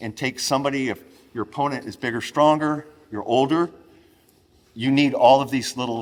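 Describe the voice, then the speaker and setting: At a moderate pace, a man talks in an ordinary speaking voice at a medium pitch with fairly even intonation. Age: 60s. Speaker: jiu-jitsu instructor. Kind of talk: seminar instruction.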